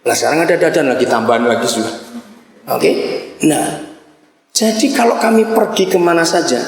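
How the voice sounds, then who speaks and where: A middle-aged male pastor preaching a sermon in a lively way, laughing and asking the congregation rhetorical questions. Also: on the high side, gravelly. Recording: echoey hall, long reverb.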